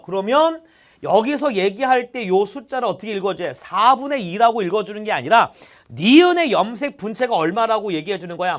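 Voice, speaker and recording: Young male tutor, high and lively delivery, exclaims mid-explanation, constant "got it?" check-ins. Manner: chatty, checks in with students constantly. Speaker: biology tutor. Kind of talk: online exam-prep lecture.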